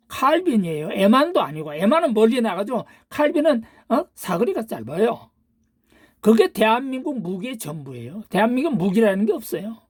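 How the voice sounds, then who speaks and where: Older woman ranting with lively pitch. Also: breathy edge, no room sound, studio quality. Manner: ranting, full of rhetorical questions and insults. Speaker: channel host. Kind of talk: political monologue.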